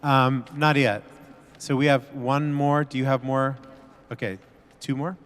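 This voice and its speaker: A man chairing a public meeting, calling up speakers in a brisk, procedural way. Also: medium pitch, level tone, fairly bright tone. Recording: long reverb of a meeting hall.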